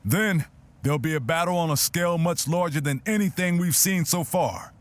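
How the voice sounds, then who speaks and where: A man's voice: fairly high pitch, moderate pace, lightly acted. A man playing a frank, wry, battle-worn tribal fighter in a video game. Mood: grim, urgent. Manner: frank, animated.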